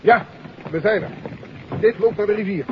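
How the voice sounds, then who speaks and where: An actor playing a brusque, urgent police inspector giving orders in a 1950s Dutch detective radio play. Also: male voice, sits high, moderate pace, close to an everyday voice. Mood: urgent, alarmed. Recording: muffled, hissy 1950s radio recording.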